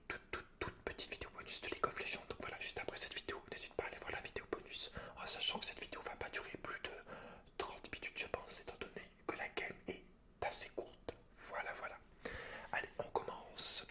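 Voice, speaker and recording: A man hosts an ASMR gaming video entirely in a whisper. His delivery is breathy and unvoiced, with a soft, informal intimacy, as if addressing one listener directly. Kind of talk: whispered ASMR, chatting and reading game lore aloud.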